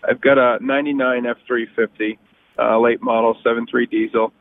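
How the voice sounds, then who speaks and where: A man calling in to a radio advice show over the phone, talking in a halting way with many ums and uhs. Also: medium pitch, flat delivery, no room sound. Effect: heard over a phone line. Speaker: caller to a car advice show. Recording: tinny phone-line call.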